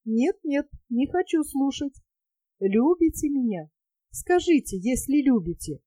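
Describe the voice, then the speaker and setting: A woman's voice: sits high, big pitch swings, measured pace, warm tone, dry recording, pitched above the performer's own voice. A woman voicing an adoring, naive young female gypsy dancer in an audiobook, with a pleading, girlish, breathless manner.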